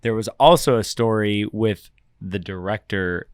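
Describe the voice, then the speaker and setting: Brief: male co-host, deep smooth voice, dry close mic, easygoing and laughing. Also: a little slow, no echo. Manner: relaxed, laughs often. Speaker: podcast co-host. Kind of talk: casual chat.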